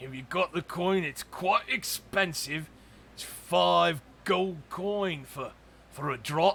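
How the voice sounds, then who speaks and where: Putting on a character voice, a man speaks very slowly in a high, raspy tone. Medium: actual play. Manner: gruff, blunt.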